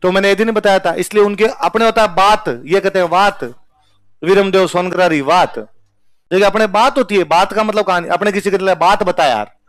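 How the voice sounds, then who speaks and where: A male teacher with a Rajasthani Hindi accent, talking to his class in a loose, anecdotal way and poking fun at himself. His voice sits fairly high for a man. The recording is close and dry. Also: moderate pace, a bit bright, no room sound. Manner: conversational, anecdotal, self-mocking. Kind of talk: storytelling lecture to students.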